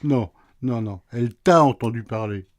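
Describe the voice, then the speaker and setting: A man's voice: mid-range voice, moderate pace, dry recording, lightly acted. Man as a weary husband in a radio play, sarcastic, teasing, very dry close sound. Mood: grumpy, teasing. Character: sleepy teasing husband, middle-aged, sarcastic. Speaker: husband woken at night.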